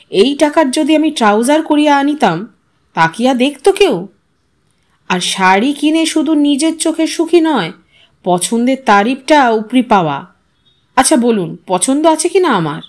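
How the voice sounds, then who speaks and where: A woman voices a genial young brother-in-law in an audio story. The pitch is high and very lively. The talk is teasing, coaxing and persuasive. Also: a little slow. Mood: playful persuasion. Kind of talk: dramatised audio story reading.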